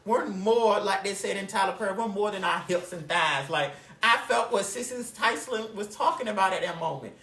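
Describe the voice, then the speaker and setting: A woman's voice: medium pitch, moderate pace, few pauses, fairly bright tone. The sound is echoey and a little far from the mic. An American woman chats casually on a podcast, emphatic and colloquial as she presses her point. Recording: roomy echo, distant from mic.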